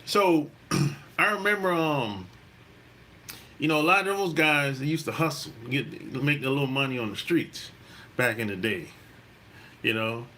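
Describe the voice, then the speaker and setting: A man's voice: medium pitch, measured pace, pauses often, bright, forceful tone, slight background noise. A middle-aged man from South Carolina, hosting a podcast and telling a story in a loose, profane way, full of "you know.". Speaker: podcast host. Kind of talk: casual storytelling monologue.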